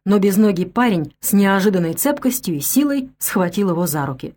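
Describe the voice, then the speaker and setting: Woman narrator, steady clear storytelling, mid-pitched, audiobook read. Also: fairly quick.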